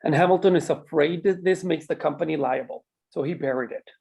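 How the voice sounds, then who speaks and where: A man playing a calm, persistent small-town mayor in a screenplay table read, measured and probing. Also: on the high side, gravelly, breathy edge.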